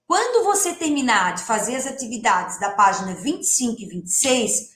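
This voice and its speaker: A woman's voice: fairly high pitch, a bit bright, roomy sound. A woman teacher with a Brazilian Portuguese accent, giving a recorded lesson to young children, stretching out words and asking the class questions. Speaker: primary school teacher.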